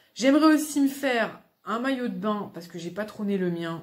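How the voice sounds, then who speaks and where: The speaker is a woman talking at a very fast pace. Audible echo fills the room. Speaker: sewing blogger. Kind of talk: casual vlog monologue. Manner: hesitant, many fillers.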